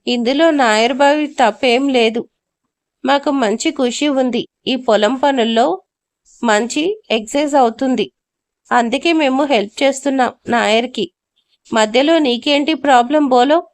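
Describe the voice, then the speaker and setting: Brash hothead, young man, played by a woman, Hindi-laced bluster, slightly high voice. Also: measured pace. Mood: angry, defiant. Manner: mixes Hindi words into Telugu, blustering. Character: brash young northern man, hot-tempered.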